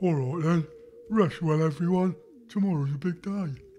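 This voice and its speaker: A man puts on a character voice pitched high. He talks at a moderate pace against clear background noise. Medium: machinima.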